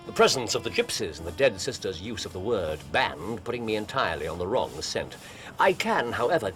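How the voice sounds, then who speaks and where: An actor playing Sherlock Holmes, a cool and precise middle-aged detective who explains his reasoning in measured, articulate, lecturing speech in a radio drama. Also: on the low side, close to an everyday voice. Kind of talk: 1990s radio drama acting.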